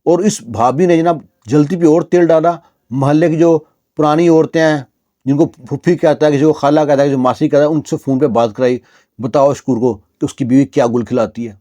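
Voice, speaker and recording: A man's voice: fairly high pitch, dark tone. A man narrating a village story in a conversational way, with repeated fillers and restarts.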